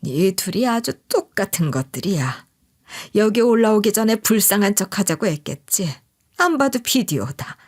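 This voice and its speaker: A woman's voice: medium pitch, very animated, normal speed, a little mellow. A woman voicing a furious older mother-in-law in an audio story, scolding and blunt. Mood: furious, scornful.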